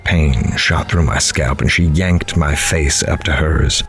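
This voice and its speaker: An actor playing a grim, dogged male crime reporter in a horror audio drama, with a measured, grave, dramatic delivery. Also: rumbling low, fairly bright tone, slight background noise, full character voice. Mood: tense, dark. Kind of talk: noir-like scripted horror narration.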